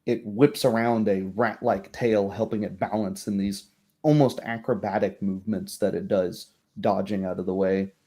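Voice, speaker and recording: Man, game master, low mellow voice, measured descriptive storytelling, tabletop roleplaying narration. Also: fairly even intonation, breathy edge.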